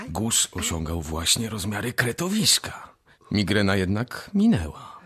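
A man's voice: on the low side, husky. A man narrating a radio drama in a dramatic, scripted storytelling style. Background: music.

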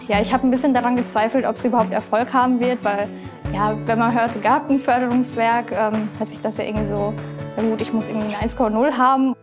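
A woman's voice: fairly high pitch, steady tone, fast. A woman in her twenties, a biochemistry student, answering interview questions casually in a studio. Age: 20s. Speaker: scholarship holder, biochemistry student. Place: studio against a colored backdrop. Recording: guitar music underneath.

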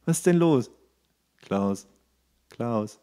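A man's voice: mid-range voice, lively intonation, takes it slowly, mellow. A man co-hosting a podcast in casual, comedic banter, with a playful, teasing way of talking. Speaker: podcast co-host.

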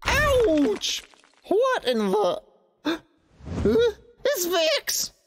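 A woman voicing a small, greedy, excitable male forest rodent in a cartoon, folksy and exaggerated. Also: very high-pitched, drawn-out words, full character voice. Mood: startled, excited. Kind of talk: animated cartoon dub. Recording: music behind the voice.

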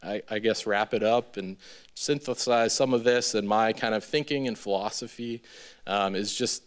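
A man in his thirties giving an informal presentation as a developer, in a halting, hesitant way with many ums. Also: fairly low pitch, smooth. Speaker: real estate developer presenting a project. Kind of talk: informal public presentation with slides. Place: large indoor meeting room with seated audience. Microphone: podium gooseneck microphone.

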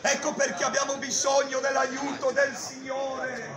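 A middle-aged man preaching loudly on a busy town street, declaiming and gesturing, filmed from a distance by a camera. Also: extremely high pitch, monotone, a little slow. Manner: loud, declaiming, gesturing with a Bible. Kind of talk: open-air street preaching. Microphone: far camera. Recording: echoey street with crowd noise. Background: crowd and passers-by.

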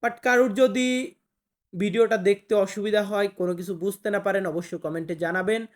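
A woman teaching a casual spoken language lesson, who explains patiently, repeats phrases slowly and answers imagined objections in a chatty way. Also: mid-range voice, steady tone.

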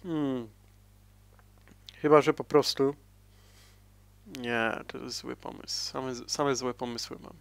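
A man commentating his own strategy gameplay, thinking aloud, addressing viewers and swinging between soft mumbling and sudden loud exclamations. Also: medium pitch, fairly even intonation, slow, gravelly, pauses often. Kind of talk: casual let's-play commentary.

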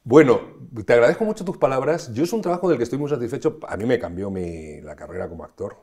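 A man's voice: mid-range voice, lively intonation, fast, a little mellow. A middle-aged man from Spain, an actor being interviewed, telling stories expansively with frequent restarts. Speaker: actor, guest. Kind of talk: conversational interview.

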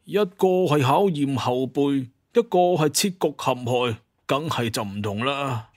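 A man playing a level-headed master hunter and clan leader in an audio drama, speaking in a measured, explanatory way. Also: medium pitch, dry recording, clean studio sound, natural voice. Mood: calm, reasoning.

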